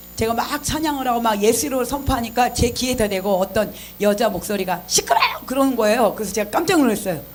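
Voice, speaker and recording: Amid noticeable background noise and audible room echo, a woman speaks in a fairly high voice at a very fast pace with an animated tone. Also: ordinary pitch variation. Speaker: pastor. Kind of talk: sermon.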